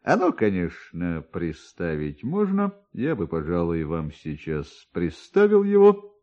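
A man's voice: deep voice, huge pitch swings, unhurried, dull audio, pitched below the performer's own voice, exaggerated voice. A man voicing a dignified, self-important doctor with a courteous, unctuous, persuasive manner, in a classic radio drama. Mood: dismissive.

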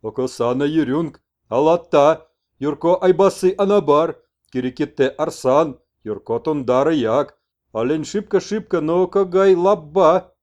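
A man voicing an old toothless shaman messenger who speaks in broken phrases and loud chanted exclamations. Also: a little high, unhurried, highs cut off, pitched above the performer's own voice, close to an everyday voice. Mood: chanting.

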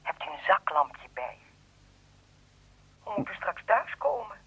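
An actress playing a lonely, solicitous old lady with a husky voice in a radio play. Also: mid-range voice, sing-song, a little slow, fairly bright tone, no room sound, heavily acted, rough recording. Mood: lingering, solicitous. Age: older.

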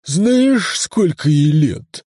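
A man reading a story aloud, voicing an ancient, touchy male deity that speaks with a booming, husky voice, sometimes in whispers. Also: very animated, extremely slow, a little mellow, no room sound, studio quality, full character voice. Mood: aggrieved. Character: ancient male Cthulhu entity, disembodied voice, proud and touchy. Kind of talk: audiobook reading.

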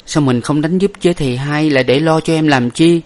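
A man voicing a gentle, wounded young wife who sounds weak, breathless and pleading. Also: on the high side, brisk, voice pushed up, close to an everyday voice. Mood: tender. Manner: soft, pleading, tearful.

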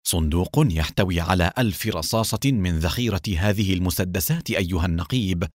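A man voicing a calm, bitter older male doctor who speaks in measured, clipped phrases. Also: sits low, no room sound, studio quality. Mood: cold, clipped.

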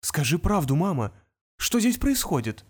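A woman reading the part of a cold, brilliant teenage boy in an audiobook, speaking in a calm, measured way. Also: sits low, breathy edge, exaggerated voice. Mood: tense.

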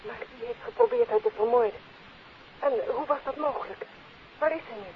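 Nervy young woman in old radio play, hesitant, pitch jumps around, muffled n hissy. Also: very animated, brisk. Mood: alarmed, questioning. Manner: hesitant, agitated. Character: anxious, evasive young woman, doctor's daughter. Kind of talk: 1950s radio drama acting.

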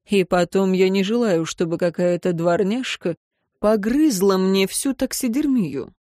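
A woman's voice: mid-range voice, unhurried, warm tone, no echo, studio quality, lightly acted. A woman voicing a wealthy, patronizing middle-aged male guardian in a storybook. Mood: condescending. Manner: patronizing, dismissive.

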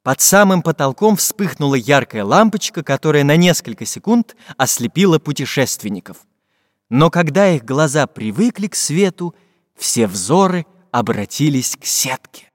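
Expressive male storybook narrator. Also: on the high side, moderate pace. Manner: expressive, lively. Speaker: audiobook narrator. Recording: dry voice with long reverb tail.

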